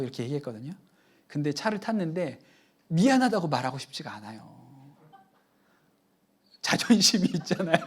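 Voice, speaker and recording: A male pastor giving a sermon. He tells a family anecdote in a chatty, conversational way and often turns to the congregation with quick asides. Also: fairly high pitch, a little mellow, breathy edge.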